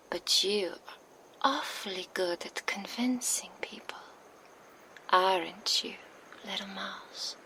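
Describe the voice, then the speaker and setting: A woman's voice: on the low side, creaky, fairly bright tone, a little hiss or hum, heavily acted, poor audio. A woman voicing a seductive, possessive female vampire in an ASMR roleplay, whispering close to a binaural microphone. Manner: intimate, purring whisper close to the ear.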